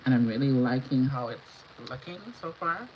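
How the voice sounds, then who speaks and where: Hoarse woman chatting through a makeup livestream. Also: rumbling low, normal speed. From Antigua and Barbuda. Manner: chatty, instructional, greets viewers by name. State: hoarse from a cold. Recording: dull lo-fi stream audio with clear background noise.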